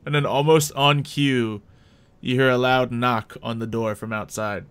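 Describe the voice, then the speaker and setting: A man's voice: medium pitch, fairly even intonation, unhurried, a bit bright, clean tone. A man running a casual tabletop roleplay game as game master, narrating and bantering with players.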